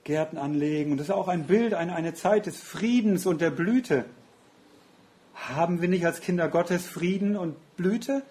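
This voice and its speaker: Earnest male preacher, fairly high voice. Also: moderate pace, a little mellow, slight background noise. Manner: earnest, reflective, asks rhetorical questions. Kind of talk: sermon.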